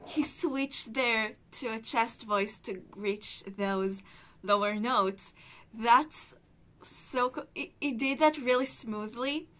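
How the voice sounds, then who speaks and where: A woman's voice: on the high side, slow pace, a bit bright. A woman reacting to a song and explaining vocal technique like a voice teacher, with lots of filler words. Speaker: music reaction reviewer. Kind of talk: casual reaction commentary. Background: song playing faintly.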